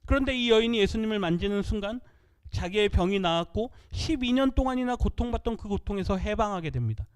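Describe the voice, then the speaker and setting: A male pastor with a high voice delivers a sermon in church. He reads scripture out loud with his congregation and teaches by asking questions, then answering them himself. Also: animated, fast talker, smooth.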